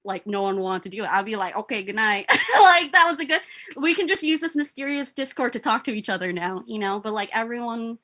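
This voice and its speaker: A woman's voice: a little high, lively intonation, brisk, pushed and bright. A young woman organizing a livestream, talking casually in an effusive, earnest, giggly way. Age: young adult. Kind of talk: casual chat.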